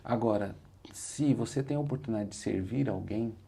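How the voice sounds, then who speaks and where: A fairly low, gravelly, husky voice with a dark tone belongs to this interview guest, who speaks at a normal speed. He is a motivational speaker with a Brazilian Portuguese accent, telling his story earnestly and reflectively and repeating "said like this" when quoting himself.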